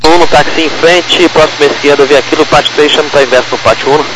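A man's voice: on the high side, fast. Brazilian man on crackly aviation radio. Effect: crackly two-way aviation radio. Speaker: airport ground controller giving taxi clearances. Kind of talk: clipped aviation radio phraseology. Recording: crackly, noisy air traffic radio.

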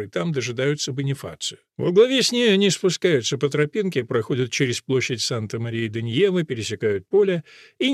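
A man's voice: mid-range voice, no echo. Male audiobook narrator, dry close sound. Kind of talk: scripted narration.

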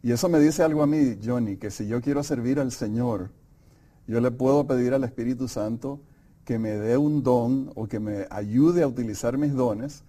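A middle-aged man co-leading a Bible study, calm and affirming as he reads scripture and comments. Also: mid-range voice, moderate pace. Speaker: Bible lesson co-presenter. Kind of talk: conversational Bible study lesson.

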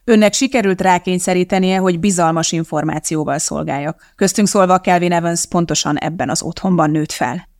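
Castingnote: a reader playing a sly older bishop, smooth and sarcastic, gravelly audiobook voice. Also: male voice, high voice, dry recording, studio quality. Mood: persuasive.

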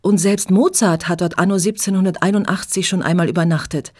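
A woman's voice: lowish voice, fairly even intonation, brisk, a little mellow, dry recording, studio quality, lightly acted. A woman voicing a playful, mischievous young German woman visiting her friend. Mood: friendly.

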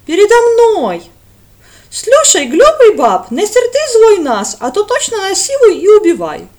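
A woman voicing a mocking young man who mangles his grammar, speaking very high and loud. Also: huge pitch swings, measured pace, heavily acted. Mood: jeering. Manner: broken grammar, jeering.

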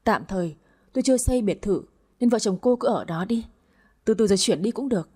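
A woman voicing a calm, sympathetic wealthy man in a narrated story, speaking in a measured way. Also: mid-range voice, husky.

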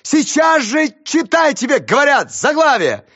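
A man reading a story aloud, voicing an exasperated female schoolteacher who scolds loudly. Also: big pitch swings, normal speed, highs cut off. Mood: shouting. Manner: shrill, scolding, loud.

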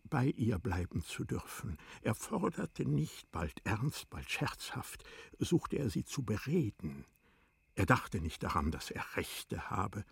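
A man narrating a literary radio play in a measured, deliberate manner, letting phrase endings drop to a hush. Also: sits low, vocal fry, slightly rough, no echo.

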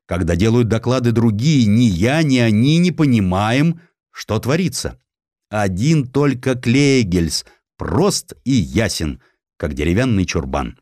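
A petulant Russian tsar, played by a male narrator, complaining in a plaintive, declamatory way. The pitch rises and swings widely, in the manner of a radio play, with a very dry sound. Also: animated, unhurried, darkish tone, no room sound.

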